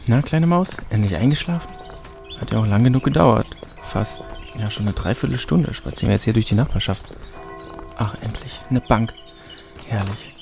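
A man's voice: lowish voice, normal speed, creaky, a little mellow, faint music behind. An actor playing a young father out with his sleeping daughter, in a radio drama. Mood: relaxed.

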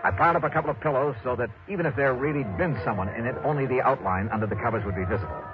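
A man's voice: mid-range voice, rapid-fire, lightly acted. An actor playing a wry, hard-boiled insurance investigator who narrates his own case in a 1950s radio drama. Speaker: narrator and lead. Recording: lo-fi old radio with music cues.

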